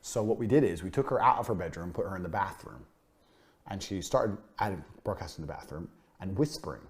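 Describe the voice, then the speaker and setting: Man, low-ish voice, brash business-course speaker; boastful, profane, punchy repetition. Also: lively intonation, fairly quick. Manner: blunt, boastful, swears freely. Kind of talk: motivational business lecture.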